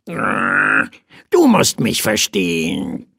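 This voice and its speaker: A storyteller voicing a small, cunning black bird that croaks and squawks as it indignantly justifies itself in a children's tale. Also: low-pitched, huge pitch swings, extremely slow, pushed and bright, no echo, clean studio sound, heavily acted. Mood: plaintive explaining.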